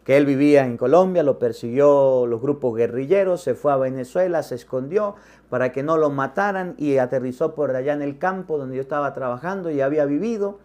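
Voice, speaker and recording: A man's voice: medium pitch, brisk, a little mellow. A middle-aged male priest giving a sermon, telling a personal story and acting out the dialogue vividly. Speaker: Catholic priest.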